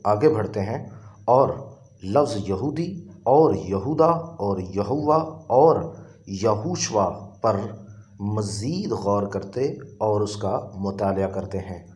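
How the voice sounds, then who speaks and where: A man with an Urdu accent, teaching a Bible lesson in a slow, deliberate, explaining way. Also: lowish voice, a little mellow. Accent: Pakistani Urdu. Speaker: preacher.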